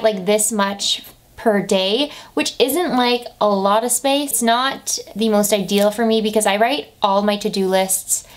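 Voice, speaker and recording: Upbeat 25 yo girl rambling about her faves, lots of "like", bedroom desk cam. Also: medium pitch. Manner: chatty, upbeat, lots of "like" fillers. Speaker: beauty vlogger. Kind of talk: casual monthly favourites chat. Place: bedroom with desk and lamp, indoors.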